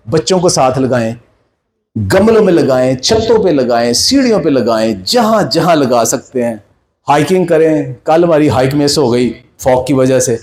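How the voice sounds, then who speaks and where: A man's voice: mid-range voice, a little mellow. A man in his sixties with a Pakistani Punjabi accent gives an informal health lecture, exhorting listeners in colloquial speech mixed with English terms. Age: 60s. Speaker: health speaker.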